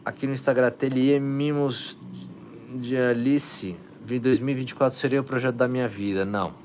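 A man's voice: medium pitch, steady tone, normal speed, darkish tone, slight background noise. A man hosting a motivational live stream, urging viewers on with energy and reading out their comments. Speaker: live stream host, coach.

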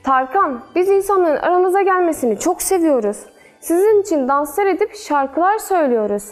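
A woman's voice: very high voice, animated, a little fast, soft background music. A woman voicing a kind, worried black deer in a storybook tale, speaking in an earnest, explaining way.

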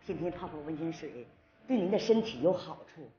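A woman's voice: low-pitched, expressive, brisk, mellow, highs cut off. A woman playing an earnest, devoted daughter-in-law in a stage comedy sketch, coaxing her father-in-law. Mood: tender. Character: devoted pleading daughter-in-law, middle-aged. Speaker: sketch actress. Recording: echoey stage sound.

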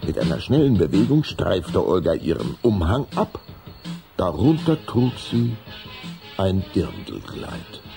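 A man's voice: low voice, sing-song, takes it slowly, gravelly, over music. A man delivering scripted storytelling narration as the narrator of a children's audio drama.

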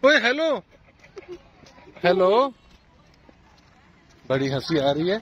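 A man's voice: high-pitched, big pitch swings, very slow, a bit bright. A young man, vlogging at an outdoor park and coaxing his child along in a playful, encouraging way. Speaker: vlogger father. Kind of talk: casual vlog chat. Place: outdoor amusement park by a lake. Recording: muffled outdoor recording with noise.

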